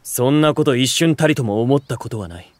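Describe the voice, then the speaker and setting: A man's voice: mid-range voice, expressive, brisk, no room sound, lightly acted. A man playing a stern, distrustful young older brother in a voice drama, curt, haughty and formal, protective and aloof. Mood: hostile, suspicious. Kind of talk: Japanese voice drama acting.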